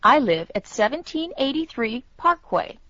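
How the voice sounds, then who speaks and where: Woman, 70s, high, curt; dull recording. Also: big pitch swings, a little slow, a bit bright, no room sound. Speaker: dialogue speaker in a language lesson. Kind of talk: scripted dialogue. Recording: dull lo-fi recording with faint noise.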